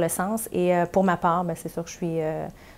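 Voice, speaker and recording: Over a very clean recording with a silent background, the voice stays monotone, with flat intonation. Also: woman. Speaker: aerospace training coordinator. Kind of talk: interview testimony. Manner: hesitant, many fillers.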